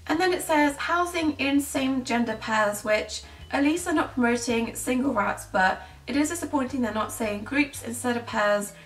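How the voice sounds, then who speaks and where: A British woman in her twenties talks casually to the camera in a bedroom. Her voice sits fairly high, and the sound is roomy, picked up a little way from the microphone. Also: normal speed, hardly any pauses. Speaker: pet-care vlogger. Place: small bedroom indoors. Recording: roomy echo, distant microphone, faint music.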